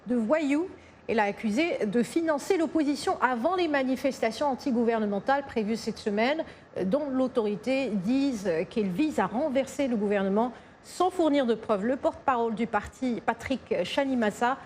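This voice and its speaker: A woman's voice: fairly high pitch, normal speed, a little mellow, a little hiss or hum. A woman presenting radio news, mostly fluent with the odd filler.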